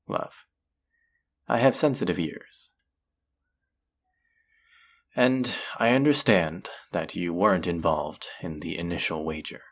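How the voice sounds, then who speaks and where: A voice actor playing a flirty, possessive demon casino dealer in an intimate audio roleplay, teasing and taunting in a low, husky, breathy voice. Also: exaggerated voice. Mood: possessive, calm. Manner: teasing, taunting, slow and drawn-out.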